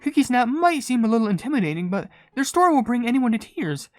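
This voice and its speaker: A woman voicing a gentle, courteous young female incense maker in a game, polite and measured. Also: fairly high pitch, sing-song, dry recording. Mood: friendly. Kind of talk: reading game dialogue aloud in character. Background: game music.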